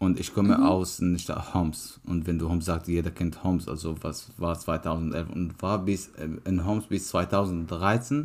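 In an Arabic accent, the speech runs at a fairly slow pace on a very clean recording with a silent background. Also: man. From Syria. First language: Arabic (speaking German). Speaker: refugee. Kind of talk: interview. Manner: halting.

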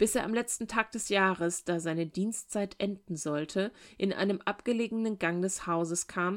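An unforced reading voice, pitch moving in ordinary fashion

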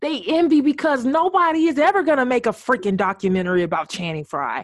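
A woman speaks at a moderate pace in an animated tone with very wide pitch swings. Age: 20s. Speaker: sports and music podcast co-host. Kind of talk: casual chat.

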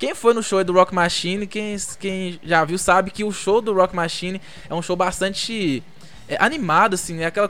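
Pitched high for a man, this male voice moves at a moderate pace with ordinary pitch variation. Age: 20s. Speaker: radio host. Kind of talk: casual chat.

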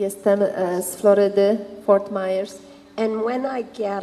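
Over noticeable background noise, a woman speaks at a very slow pace with monotone, flat intonation. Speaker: interpreter. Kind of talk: consecutive interpreting of a sermon and prayer, Polish lines echoing the preacher. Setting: church, live with audience. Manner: echoing, fervent, rising in step with the preacher's intensity.

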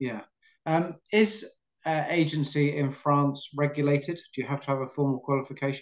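This man speaks with an English accent at a fairly high pitch. His pace is moderate and his intonation fairly even. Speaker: podcast co-host, estate agent. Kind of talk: interview. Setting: video call.

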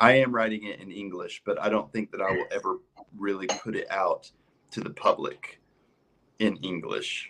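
Pausing long and often, a man with an American accent speaks at a moderate pace with big swings in loudness. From US South, Kentucky. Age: 30s. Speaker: travel writer. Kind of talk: casual chat.

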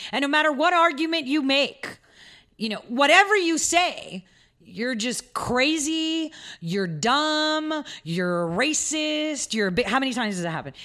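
A woman's raised, projected voice, high-pitched with a bright, sharp tone and very wide pitch swings, at a fairly slow pace on a very clean recording with a silent background. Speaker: radio host. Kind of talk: talk radio monologue. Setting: radio studio. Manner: conversational, filler-heavy, opinionated.

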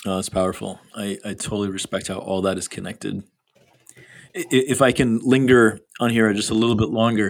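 An unremarkable speaking voice in an American accent, fairly quick and fairly even in intonation. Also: man, fairly low pitch for a man. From US, Egyptian heritage. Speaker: podcast host, pastor. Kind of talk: casual interview conversation.

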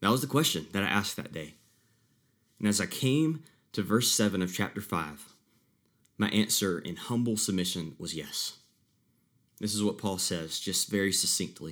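With long, frequent pauses, a man of fairly low pitch speaks at a moderate pace. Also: lively intonation. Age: 20s. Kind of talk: personal testimony monologue.

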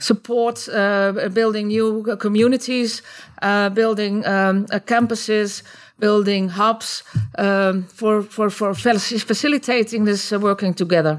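A woman with a Dutch accent speaks at a medium pitch and a fairly slow pace. Her intonation stays fairly even. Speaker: deputy mayor. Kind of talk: webinar presentation. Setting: video call. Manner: halting.

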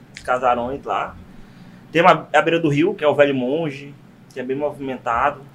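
At a moderate pace, a man with a fairly high pitch and fairly even intonation takes long, frequent pauses, his loudness swinging a lot. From Piauí, Brazil (Amarante). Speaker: social media comedian. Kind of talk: casual chat.

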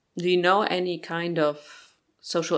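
In a Polish accent, a woman speaks with a fairly low pitch. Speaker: podcast host. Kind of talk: interview.

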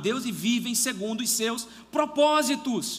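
This man's voice is extremely high in pitch. His intonation rises and falls in a lively way. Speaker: pastor. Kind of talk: sermon. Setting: church. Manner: animated.

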